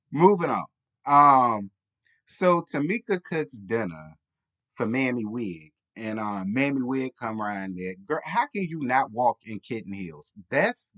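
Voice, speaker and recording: A man with an American accent delivers casual comedic commentary as a reviewer. He is blunt and sassy, leaning on slang. His delivery rambles in a loose, tipsy way, with an average pitch for a man. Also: fairly bright tone. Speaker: reality TV reviewer.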